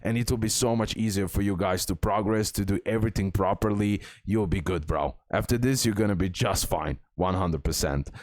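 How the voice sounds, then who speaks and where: Low-voiced man doing game commentary. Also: brisk, hardly any pauses, darkish tone, no room sound. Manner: repetitive, emphatic, addresses viewers as guys. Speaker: gaming content creator, host. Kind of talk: casual game guide and gameplay commentary.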